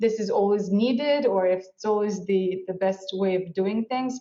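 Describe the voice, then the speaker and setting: With a Romanian accent, a woman speaks at a moderate pace and a fairly high pitch. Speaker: communications professional. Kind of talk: panel talk.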